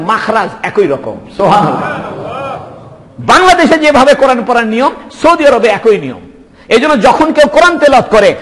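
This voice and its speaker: A male preacher delivers a fervent sermon. His voice sits high and leaps through a lively range as he fires rhetorical questions and exclamations of praise. A long reverb rings around him as if in a hall. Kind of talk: Bengali waz sermon.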